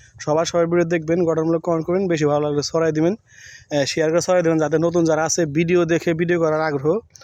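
A high-pitched man speaks in a flat monotone at a very even loudness. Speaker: video blogger and small farmer. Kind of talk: casual vlog narration.

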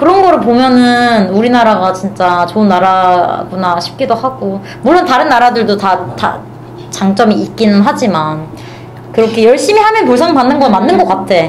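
A woman speaks at a moderate pace with lively intonation and very even loudness. Light background noise sits behind her. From South Korea. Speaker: YouTube creator. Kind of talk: casual chat. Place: meeting room. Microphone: camera far.

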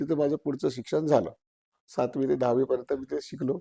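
A man's voice with a fairly high pitch, a dark, mellow tone and fairly even intonation. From Chandrapur district, Vidarbha. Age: 70s. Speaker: independent election candidate, retired railway engineer. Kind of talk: interview.

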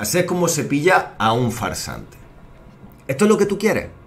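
His voice sits high, and the pitch swings very widely. This man talks at a moderate speed. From Spain. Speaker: gaming youtuber. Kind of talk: video commentary rant. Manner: animated. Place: home room.

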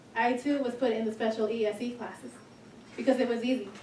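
Over light background noise and audible room echo, a woman speaks at a fairly quick pace. Her pitch is fairly high. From Broward County, Florida. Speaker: self-advocate with spina bifida. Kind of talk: prepared policy presentation. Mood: earnest, personal. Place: hall.

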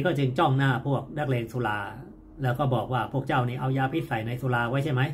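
A man speaks in a somewhat breathy voice with fairly even intonation over light background noise. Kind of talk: storytelling sermon. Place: home room. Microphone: phone near.

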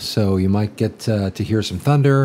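Man talking at a fairly quick pace over light background noise. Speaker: pastor. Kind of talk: answering a viewer's question, teaching talk. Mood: calm, warm. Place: home room. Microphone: studio mic.

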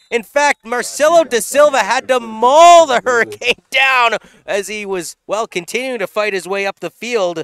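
A man with an extremely high voice speaks with lively intonation and hardly any pauses, in a dry, close sound with no echo. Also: moderate pace. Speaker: play-by-play commentator.

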